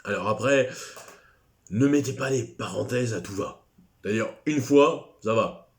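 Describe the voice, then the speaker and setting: A man's voice: medium pitch, measured pace. A man teaching a recorded French class lesson, chatty and digressive, with self-deprecating asides.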